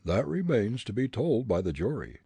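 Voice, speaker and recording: A man's voice: medium pitch, big pitch swings, moderate pace, mellow, husky, no room sound, voice pushed up, full character voice. A man doing a stern blustering smuggler captain. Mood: accusing. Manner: stern, demanding.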